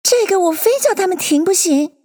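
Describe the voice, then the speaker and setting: A woman's voice: very high-pitched, expressive, normal speed, a little mellow, voice pushed up. A woman voicing a curious, spirited young girl who talks to herself and scolds others. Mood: indignant. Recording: long hall reverb.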